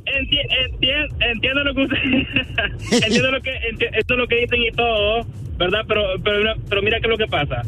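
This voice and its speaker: A man's voice: very high voice, fairly quick, bright, forceful tone, faint music behind. A man from Honduras, calling in to a radio show and talking in a defiant, insulting way over a muffled phone line. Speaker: caller.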